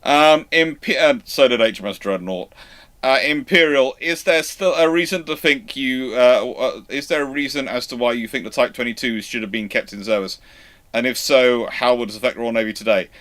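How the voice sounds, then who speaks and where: A man with a noticeably bright tone talks casually as the host of a live question session. His speech comes in halting runs, with stammered starts and repeated words as he works out his answers. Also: medium pitch. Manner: halting, stammering false starts and self-repetition.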